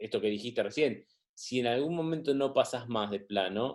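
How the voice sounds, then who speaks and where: A man with a Rioplatense accent against a quiet background. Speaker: psychiatrist. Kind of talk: casual conversation. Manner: halting.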